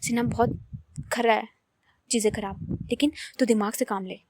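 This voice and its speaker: A woman voicing a calm young man who talks to a friend in a soothing, reasoning way. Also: a little high, normal speed.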